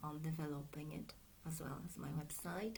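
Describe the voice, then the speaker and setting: A woman's very deep, low, somewhat breathy voice with a Polish accent. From Poland. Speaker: life coach. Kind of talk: social media talk.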